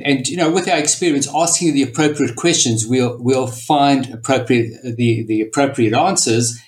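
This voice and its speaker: A man in his sixties with a South African accent, a guest business broker who explains steadily and often restarts his sentences. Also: mid-range voice. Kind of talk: interview conversation.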